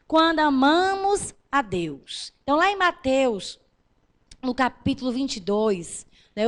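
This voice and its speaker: Her voice high-pitched, a woman pastor preaches directly to the congregation. She swings from loud, emphatic declarations to soft, intimate lines.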